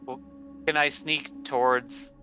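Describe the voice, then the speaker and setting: A man's voice: mid-range voice, flat delivery, slow, sharp tone. A man playing a tabletop roleplaying game, chatting casually and talking through his options tentatively, on dull audio. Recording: dull lo-fi audio under music.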